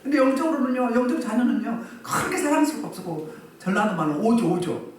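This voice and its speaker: A middle-aged woman pastor preaches emphatically in a church hall, repeating phrases and putting questions to the congregation. Her voice is fairly high, expressive and fast. The mic sits at a distance in the echoey hall, and there's background noise.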